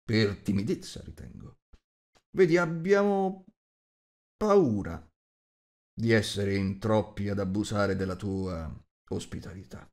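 A man's voice: lowish voice, animated, takes it slowly, pauses often, a little mellow. Man doing Gandalf, an old diplomatic wizard. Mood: wry. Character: old wise male wizard, patient storyteller.

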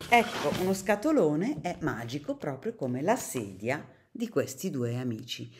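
A woman reading a picture book aloud to children and then inviting them to play, in an animated storytelling manner. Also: deep voice, noisy background. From Italy.

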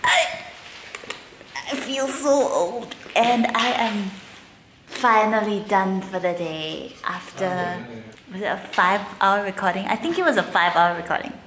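A woman in her twenties with a Malaysian accent, chatting casually to the camera in an animated way. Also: mid-range voice, unhurried, background noise. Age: 20s. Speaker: vlogger. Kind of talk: casual vlog chat. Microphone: camera at arm's length.

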